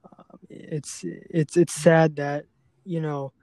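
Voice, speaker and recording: A man hosting a serious podcast conversation, speaking earnestly and haltingly, often repeating words as he goes. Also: on the high side, little pitch movement, mellow, dry recording. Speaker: podcast host.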